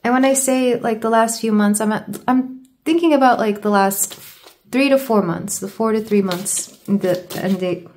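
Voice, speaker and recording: Sounding congested from a sore throat and stumbling over her words, a tarot reader does a card reading for her viewers. Her voice is a little high and darkish in tone at normal speed, with a little hiss or hum.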